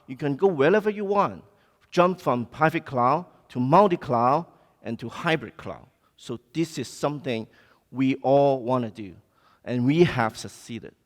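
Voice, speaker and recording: Male conference speaker, Hong Kong accent, medium pitch, informal and halting phrasing, reverberant hall sound. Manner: halting, informal, non-native English phrasing. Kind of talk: conference presentation. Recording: echoey hall, long reverb.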